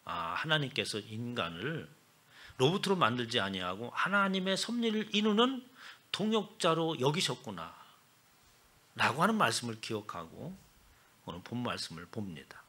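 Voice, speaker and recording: A man preaching a sermon as pastor, retelling scripture dramatically and swinging between loud exclamations and hushed asides. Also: mid-range voice, big pitch swings, normal speed, husky.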